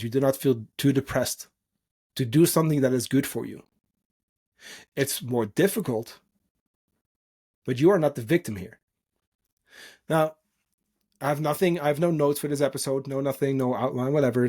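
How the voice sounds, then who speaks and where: A man's voice: medium pitch, darkish tone. A man from the Netherlands, a native Dutch speaker, hosting a solo podcast and coaching in an informal, earnest, emphatic and unscripted way.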